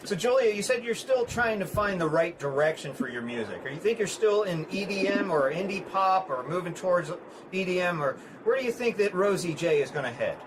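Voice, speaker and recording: A man's voice: high voice, animated, brisk, background noise. A man hosting a radio show, talking enthusiastically as he promotes his guest. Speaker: radio host. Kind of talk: radio talk show chat.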